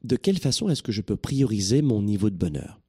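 A man from southern France giving a motivational talk, energetic and joking with his listeners. His voice sits lowish and husky. His pitch leaps around a lot. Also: a little fast. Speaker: motivational speaker.

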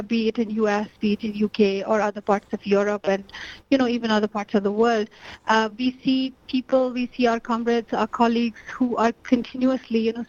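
A woman from Kashmir, explaining earnestly as a guest in a radio discussion, deliberate and hesitant, repeating words for emphasis. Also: on the high side, highs cut off. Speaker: activist guest.

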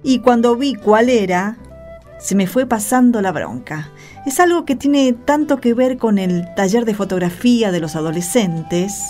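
A woman's voice: fairly high pitch, expressive, a little slow, a little mellow. An Argentine woman speaking colloquially as a guest in a conversational radio segment. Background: music.

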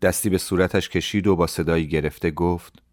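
A man giving calm, measured first-person narration for an audio drama. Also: low voice.

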